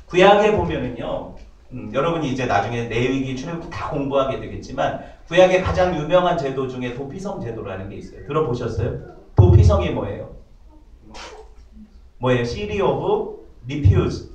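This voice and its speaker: A man preaching a sermon as pastor, in a lively conversational way, often asking the congregation questions. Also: fairly high pitch. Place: church sanctuary. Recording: echoey church hall, mic at a distance.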